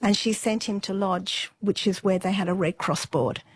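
A middle-aged woman telling an interviewer her family's history in a relaxed, unhurried way, with fillers and soft laughs. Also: mid-range voice, slightly rough, dry recording. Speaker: interview guest.

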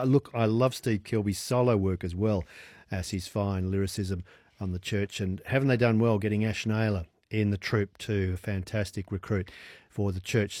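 A man's voice: lowish voice, a little mellow, no room sound, clean studio sound. An Australian man in his sixties hosting evening talkback radio, chatty and enthusiastic with playful wordplay. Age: 60s. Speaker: radio host.

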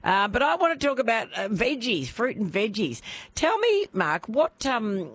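A woman's voice: on the high side, big pitch swings, moderate pace, husky, dry recording. A woman hosting a talkback radio show, chatty and playful, laughing easily. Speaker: radio host.

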